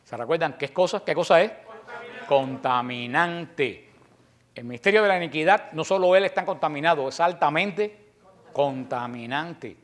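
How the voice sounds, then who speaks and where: A man's voice: on the high side, lively intonation, normal speed, fairly bright tone. A man with a Cuban accent preaching a combative sermon, full of rhetorical questions to his listeners. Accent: Cuban Spanish. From Cuba.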